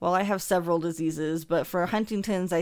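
A woman with an unremarkable speaking voice talks at a fairly low pitch with ordinary pitch variation on a very clean recording with a silent background. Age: 30s. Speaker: patient with Huntington's disease. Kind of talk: interview.

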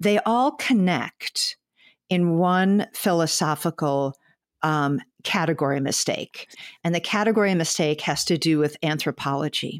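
A plain, everyday voice from a woman, fairly low in pitch, at a fairly slow pace with ordinary pitch variation and very even loudness, on a very clean recording with a silent background. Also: dry, close sound with no echo. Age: 60s. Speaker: author. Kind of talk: interview.

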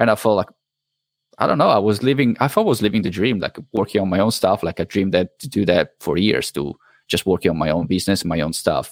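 A man's fairly low voice at a very fast pace, with ordinary pitch variation, in a dry, close sound with no echo on a very clean recording with a silent background. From Italy, near Milan. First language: Italian. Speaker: podcast host and audio engineer. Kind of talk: interview conversation. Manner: halting, many self-corrections.

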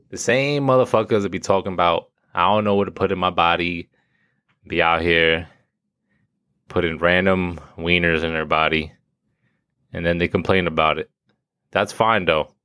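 A man's very deep, low voice with a bright, sharp tone, a moderate pace and long, frequent pauses. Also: ordinary pitch variation, very clean recording, silent background. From Colombian heritage. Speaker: podcast host. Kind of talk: casual monologue. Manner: animated.

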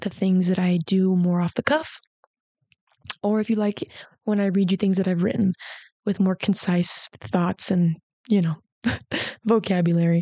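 A soft-spoken woman talks at a moderate pace and medium pitch with a dark, mellow tone, fairly even intonation, very even loudness, long, frequent pauses, and a dry, close sound with no echo. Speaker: podcast host. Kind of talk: casual podcast monologue. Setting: hotel room.

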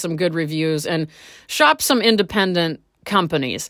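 Lively intonation marks this woman's speech, delivered at a moderate pace in a Midwestern American accent. The recording is very clean, with a silent background. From US Midwest. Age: 40s. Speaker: podcast host. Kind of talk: casual monologue. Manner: rambling with fillers and self-corrections.

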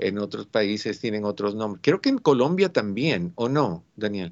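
At a moderate pace, a man talks with a medium-pitched voice. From Cuba (outside Havana) to age 11, then raised in a Mexican area of the US. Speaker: radio talk show host and doctor. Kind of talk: radio talk show. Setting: radio studio with phone-in.

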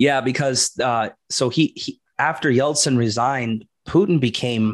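A man with a normal speaking voice and lively intonation. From United States. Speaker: podcast co-host. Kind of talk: casual chat.

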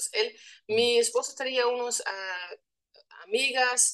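Speaking with a Dutch accent, a woman uses ordinary pitch variation. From Netherlands. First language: Dutch (speaking Spanish). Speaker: Dutch language teacher. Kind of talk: casual interview.

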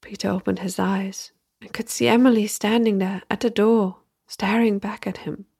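A woman with a medium pitch and ordinary pitch variation speaks at a moderate pace in a dark, mellow, somewhat breathy tone. Her delivery is dramatic, with big swings in loudness. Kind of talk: horror narration. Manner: dramatic, with pauses and an eerie, storytelling tone.

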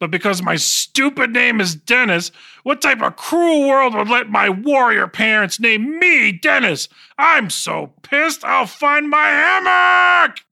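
The speaker uses a put-on character voice, pitched fairly high and delivered at a fairly slow pace. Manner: shouting, whiny.

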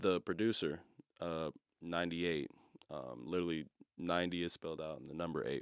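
With an American accent, a man speaks in a very deep, low pitch at a fairly quick pace, his intonation fairly even and his loudness swinging widely, with long, frequent pauses in a dry, close sound with no echo. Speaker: rapper. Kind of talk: casual chat.

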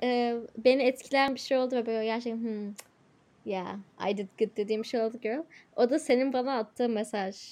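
Against a quiet background, a woman with an unremarkable speaking voice talks at a moderate pace, her fairly high pitch held in fairly even intonation. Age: 20s. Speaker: podcast co-host, architecture student. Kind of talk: casual chat.

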